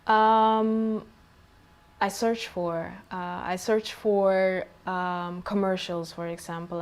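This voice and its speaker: A young woman born in Suriname talks through her thoughts in an interview, pausing often and starting sentences over. Her voice sits fairly low and stays level, with little rise and fall. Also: gravelly. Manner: hesitant, many ums and restarts. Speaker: poet, interviewee. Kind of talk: casual interview answers.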